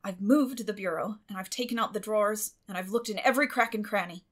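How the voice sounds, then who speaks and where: A woman voicing a stern, suspicious middle-aged farm woman with a sharp, grim way of talking in an audiobook. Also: mid-range voice, fast, lightly acted. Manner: sharp, grim, clipped scolding.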